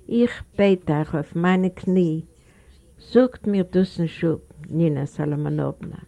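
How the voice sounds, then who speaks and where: A woman's voice: lowish voice, slow pace, gravelly, mellow. A woman voicing a broken old man who pleads earnestly. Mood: pleading.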